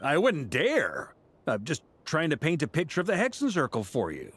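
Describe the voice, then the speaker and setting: A genial joking knight with a lively voice. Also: male voice, fairly high pitch, moderate pace, husky, exaggerated voice. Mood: easygoing. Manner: relaxed, teasing banter. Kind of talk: video game voice acting.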